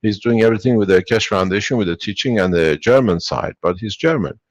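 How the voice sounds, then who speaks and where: A man's voice: lowish voice, brisk, dry recording. A man leading a spiritual workshop and taking callers, talking in a rambling, insistent way and often cutting in. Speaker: workshop speaker answering callers. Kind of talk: spiritual talk and Q&A.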